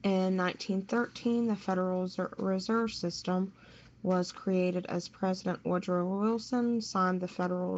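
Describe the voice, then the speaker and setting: A woman's voice: medium pitch, a little mellow. A woman co-hosting a radio show, reading out a scripted factual segment. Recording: dull audio with background noise.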